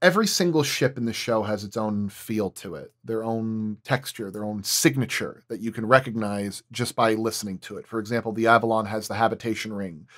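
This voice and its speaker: Man chatting casually, halting delivery. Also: lowish voice, fairly bright tone. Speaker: sound designer on an audio drama, guest. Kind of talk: casual roundtable chat.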